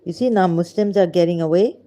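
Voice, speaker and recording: A woman's voice: on the low side, brisk, dark tone. A woman with a Pakistani accent giving rambling, sarcastic religious commentary in broken English. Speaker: vlogger.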